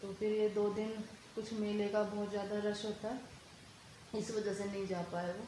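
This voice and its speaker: A young woman with a hoarse voice from a fever and sore throat, talking casually and haltingly in a home vlog while doing housework. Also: medium pitch, level tone, warm tone, slight background noise, poor audio. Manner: tired, halting, apologizing for her voice. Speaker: family vlogger.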